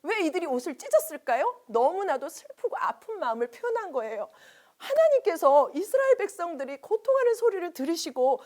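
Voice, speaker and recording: A woman preaching to children, telling a Bible story with lively questions to her listeners. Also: extremely high pitch, fairly quick. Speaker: Sunday school preacher.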